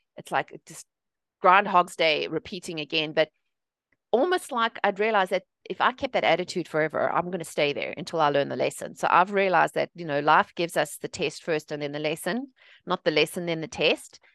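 A woman's fairly low voice at a fairly quick pace, with big swings in loudness and ordinary pitch variation, dry and close with no echo, over a quiet background. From South Africa. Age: 40s. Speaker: mindset coach. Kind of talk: interview.

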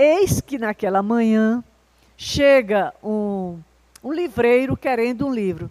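A woman's fairly high voice with a dark, mellow tone, lively intonation and a very slow pace. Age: 60s. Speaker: spiritist lecturer. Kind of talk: lecture. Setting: spiritist center with audience.

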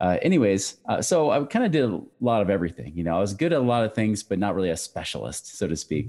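With an American accent, a man races along at a very fast pace with hardly any pauses, his dark, mellow tone showing very wide pitch swings in a very clean recording with a silent background. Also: fairly low pitch for a man. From US West, Oregon. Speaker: financial educator. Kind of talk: interview.

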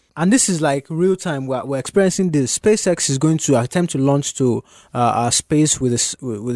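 A man's fairly high pitch in an ordinary speaking voice, on a very clean recording with a silent background. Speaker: podcast co-host. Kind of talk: casual podcast conversation.

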